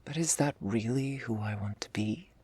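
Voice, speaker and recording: A woman voicing a tough but secretly tender female half-orc commander in a slow, confessional ASMR role-play, with a husky, gravelly, breathy voice. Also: extremely low pitch, dry recording, full character voice. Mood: earnest, confiding. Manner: slow confessional delivery, often dropping in a soft voice.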